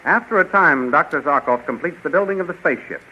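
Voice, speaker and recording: A man narrates in the scripted style of a 1930s radio announcer. His pitch is high for a man. The recording is dull and clearly noisy, like vintage radio. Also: expressive, fast talker.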